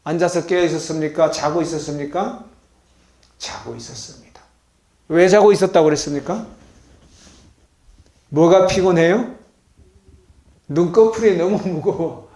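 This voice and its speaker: A man preaching as a pastor, leading the congregation in reading and call-and-response, moving between loud exclamations and soft low asides. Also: moderate pace, long pauses. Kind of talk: sermon with congregation reading along. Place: healing center meeting hall. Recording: echoey hall.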